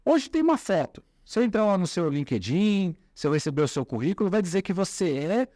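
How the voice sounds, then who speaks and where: A man hosts the conversation and steers it with lively, leading questions. His voice sits a little higher than most men's and sounds dry and close to the mic. He keeps the talk moving along. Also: brisk, no room sound. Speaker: podcast host. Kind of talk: interview questions.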